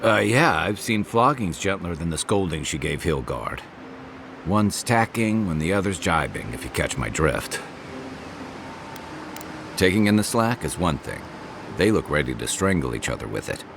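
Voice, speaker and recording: An actor playing an easygoing, wry adventurer companion in a video game, teasing and reflective. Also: male voice, low-pitched, sing-song, moderate pace, background noise. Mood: wry, concerned. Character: easygoing wry male adventurer companion, weathered but good-humoured. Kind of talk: naturalistic video game dialogue.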